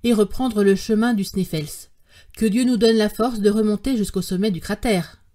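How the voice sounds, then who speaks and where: A woman's voice: on the high side, expressive, normal speed, warm tone. A woman voicing a desperate, exhausted young man in an audiobook, pleading urgently with a raised voice. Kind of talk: audiobook character reading.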